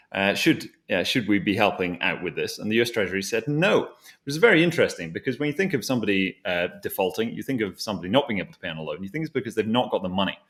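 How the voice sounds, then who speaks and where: A man's voice: lowish voice, a bit bright. A man hosting a conversational financial discussion, explaining things as he goes and often rewording his phrases. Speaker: host asking a co-presenter for his thoughts.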